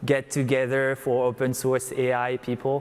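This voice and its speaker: With a French accent, the speaker's words come out at a moderate pace. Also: man. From France. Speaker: tech startup co-founder. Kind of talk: on-stage interview. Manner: hesitant with fillers.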